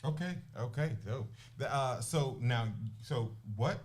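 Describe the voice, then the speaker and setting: A man's voice: medium pitch, measured pace. A man hosting an interview, casual and chatty with lots of affirming fillers. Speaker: podcast host.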